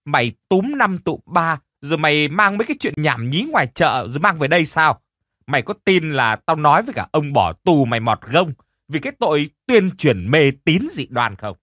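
A man voicing a harsh, domineering rich old matron who scolds her servants in shrill shouts, in an audiobook reading. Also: very animated, normal speed, no room sound, studio quality, exaggerated voice. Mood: furious scolding. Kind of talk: audiobook narration.

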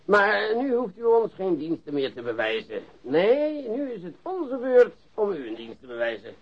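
An actor playing a falsely polite, relentless police interrogator in a radio play, mock-courteous, with theatrical, drawn-out emphasis. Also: male voice, high-pitched, sing-song, exaggerated voice. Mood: mockingly polite. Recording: dull lo-fi radio recording.

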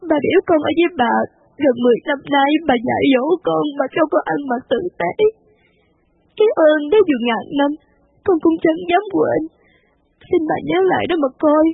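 Woman voicing a humble tearful servant girl, high, pleading, dry tinny audio. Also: creaky, dry recording. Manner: meek, pleading, higher voice.

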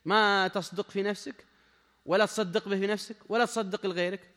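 A man's voice: sits high, steady tone, quick pace, a bit bright, in a large hall. A man giving a religious lesson, emphatic and repeating his key phrases as he speaks straight to the listener. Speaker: Islamic scholar giving a lesson.

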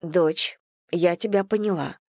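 A woman's voice: fairly low pitch, a little slow, no echo, clean studio sound. A woman doing a stern, decisive mother. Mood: calm. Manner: firm and curt.

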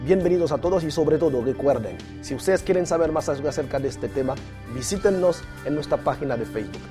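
A man's voice: on the high side, animated, a little fast, music in the background. A man hosting a Bible study discussion in a studio, welcoming listeners and guiding the conversation. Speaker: host of a Bible study program.

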